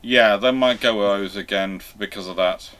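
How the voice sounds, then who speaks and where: A man's voice: fairly low pitch, normal speed, fairly bright tone. A man hosting a casual live panel discussion and answering questions in a conversational way. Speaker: host of a live naval history Q&A. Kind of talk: casual livestream panel chat.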